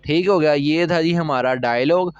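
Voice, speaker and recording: A man's voice: on the high side, moderate pace, clean tone, no echo, muffled recording, soft background music. A man teaching a recorded Korean lesson, explaining step by step and often checking that students follow. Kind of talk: recorded language lecture.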